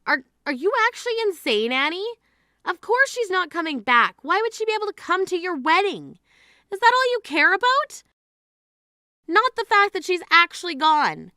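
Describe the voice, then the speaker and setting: A woman's voice: sits high, expressive, normal speed, bright, forceful tone, dry recording, clean studio sound. A young woman playing an exasperated, grieving sister who scolds her sibling in a scripted drama. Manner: scolding, indignant.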